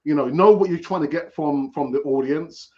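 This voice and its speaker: A man's voice: a little high, normal speed, a little mellow. A man in a casual chat giving advice, speaking emphatically and repeating key words. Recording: dull lo-fi sound.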